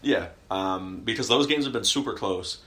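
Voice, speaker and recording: A man's voice: on the low side, moderate pace, sharp tone, faint music behind. A young man co-hosting a sports podcast, talking casually and rambling with many fillers and restarts. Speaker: podcast co-host.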